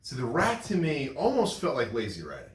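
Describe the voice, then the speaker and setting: A man's voice: mid-range voice, wildly swooping pitch, fairly quick. A man chatting casually as a podcast guest, repeating phrases for emphasis. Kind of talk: casual film discussion. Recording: echoey room with background noise.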